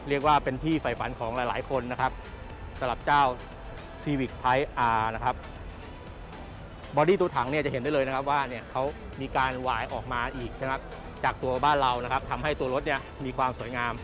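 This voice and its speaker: A man's voice: medium pitch, fairly even intonation, a little fast, music in the background. A man giving a casual walkaround tour of a car at a busy indoor motor show, chatty and repeating his points as he films. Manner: chatty, repeats points, ends phrases with polite particles. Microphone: handheld camera mic, presenter off camera.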